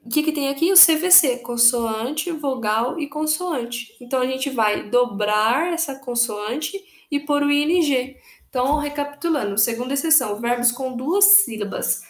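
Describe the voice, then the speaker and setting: A woman's voice: high voice, moderate pace, echoey room. A young Brazilian woman teaching an online English grammar lesson, patiently repeating rules and spelling out letters. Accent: Brazilian Portuguese.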